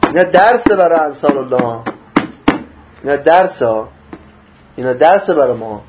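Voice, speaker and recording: A man's voice: on the high side, animated, very noisy. A man giving a religious lesson. He reads passages in Arabic, then explains them in plain Persian, asking rhetorical questions. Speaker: religious teacher. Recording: dull lo-fi recording.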